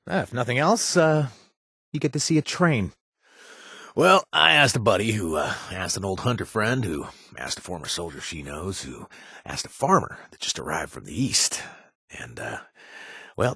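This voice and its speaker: A man's voice: fairly low pitch, creaky, fairly bright tone, breathy edge, no echo, clean studio sound, full character voice. An actor voicing a wisecracking young male ex-chem user from the wasteland, talking with lots of hesitant fillers and self-mocking jokes in scripted video game lines. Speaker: game companion character.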